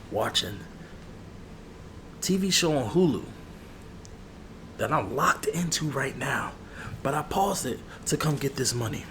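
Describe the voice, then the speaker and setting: A man playing an irritated, money-minded hood barber in an ASMR role-play, chatting casually and grumbling as he repeats himself. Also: medium pitch. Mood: grudging, hustling. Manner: grumbling, repeats phrases, drawn-out asides. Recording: clearly noisy background ambience.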